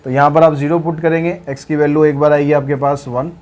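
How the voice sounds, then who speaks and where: A man's voice: on the high side, little pitch movement, fast talker, darkish tone. A male math teacher giving a casual blackboard lesson, teasing his students and stepping through the working one step at a time.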